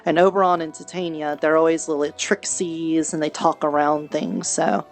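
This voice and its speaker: Low-voiced, earnest clawed forest creature played by a woman. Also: fairly even intonation, normal speed. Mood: matter-of-fact, earnest. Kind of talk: improvised VRChat fantasy roleplay. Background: music.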